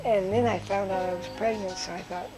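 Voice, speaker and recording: An older woman recounting memories from her life in an interview, telling stories lively and acting out what people said. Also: mid-range voice, brisk, music in the background, low-quality recording. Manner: lively storyteller who acts out quotes with laughs.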